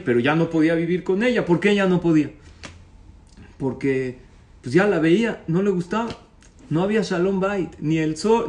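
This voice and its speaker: A man telling a parable as a religious teacher, animated, acting out the characters and quizzing his audience. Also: high voice, distant mic. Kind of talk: storytelling sermon.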